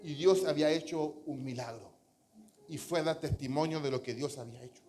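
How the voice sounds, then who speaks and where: A man's voice: fairly high pitch, fairly quick, darkish tone, soft background music. A man with a Chilean accent preaching a sermon as pastor, earnest and storytelling, often calling listeners brother. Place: church.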